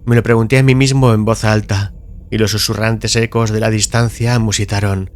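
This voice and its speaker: A man reads a gothic horror audiobook in a solemn, dramatic manner, phrasing deliberately with pauses. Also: fairly low pitch, level tone. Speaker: audiobook narrator. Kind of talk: dramatic scripted narration of a gothic horror tale. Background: music.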